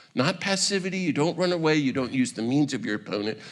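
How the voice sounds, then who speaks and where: Loud and animated, a man with an American accent talks with very wide pitch swings. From Washington DC. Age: 60s. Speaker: priest and peace activist. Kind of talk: interview.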